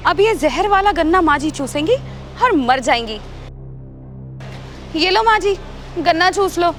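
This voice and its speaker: A woman's voice: very high voice, expressive, a little slow, faint music behind. An actress playing a bold young woman who insists and schemes, in a web drama. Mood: scheming. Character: young scheming woman, daughter-in-law or niece.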